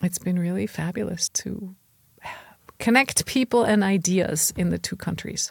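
A woman speaks at a fairly slow pace in a somewhat breathy voice, with a dry, close sound and no echo. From Switzerland (Zurich). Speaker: consultant and former foundation president. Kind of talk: interview.

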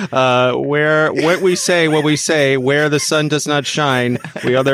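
This man, speaking with an American accent, has an unremarkable speaking voice, fairly high in pitch, with fairly even intonation, very even loudness and a fairly slow pace. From US. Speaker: podcast guest, security journalist. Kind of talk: casual chat.

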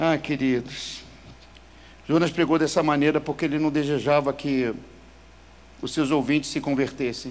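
Fairly high male voice at a moderate pace with long, frequent pauses, on a very clean recording with a silent background. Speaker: visiting pastor. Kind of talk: sermon to a church congregation. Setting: church with congregation. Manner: animated, emphatic preacher, stressing key words; direct, audience-engaging, asks rhetorical questions.

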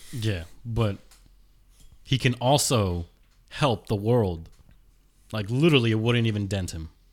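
Fairly low in pitch with ordinary variation, a man speaks at a fairly slow pace with long, frequent pauses, recorded very cleanly against a silent background. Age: 20s. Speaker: podcast co-host. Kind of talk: casual chat.

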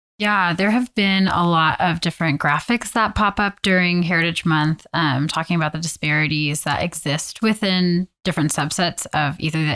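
With an American accent, the speaker holds a moderate pace, ordinary pitch variation and very even loudness. The recording is very clean, with a silent background and a dry, close sound with no echo. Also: woman. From Southern California. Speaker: community organizer, activist. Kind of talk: interview conversation.

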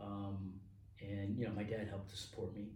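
A man with an American accent and a fairly low pitch, at a moderate pace, over noticeable background noise. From Los Angeles, California. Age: 50s. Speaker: former gymnast and business owner. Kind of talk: casual interview chat.

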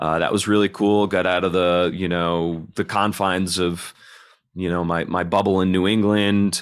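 Speaking at a moderate pace, a man holds a monotone, flat intonation and very even loudness. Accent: American. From US Northeast, rural northwestern Rhode Island. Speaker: Marine veteran, poet and musician. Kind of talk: casual chat.

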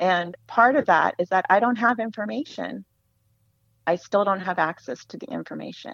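A woman with an American accent speaks at a fairly slow pace with vocal fry and lively intonation, in a dry, close sound with no echo. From US West Coast, San Francisco Bay Area. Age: 50s. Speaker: adoptee sharing her story. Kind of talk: casual interview. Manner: reflective, with pauses.

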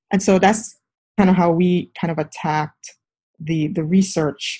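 Her voice is somewhat breathy, with a medium pitch, a dark, mellow tone, and a fairly slow pace. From Jamaica. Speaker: accounting professor. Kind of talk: interview. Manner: hesitant, with repetitions.

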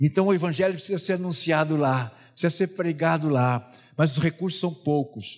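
An ordinary speaking voice at a moderate pace, ordinary pitch variation and very even loudness, on a very clean recording with a silent background. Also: man, fairly high pitch for a man. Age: 60s. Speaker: missionary preacher. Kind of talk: sermon.

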